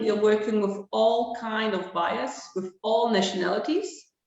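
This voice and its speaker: Audible room echo surrounds a woman speaking at medium pitch with ordinary pitch variation and a German accent. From Germany. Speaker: real estate agent. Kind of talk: interview answer. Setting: video call livestream.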